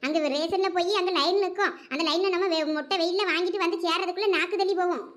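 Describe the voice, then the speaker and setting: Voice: very high-pitched, steady tone, fast talker, a bit bright. A voice actor playing a teasing, gossipy village neighbor woman in a cartoon, with a Thoothukudi Tamil accent. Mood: grumbling.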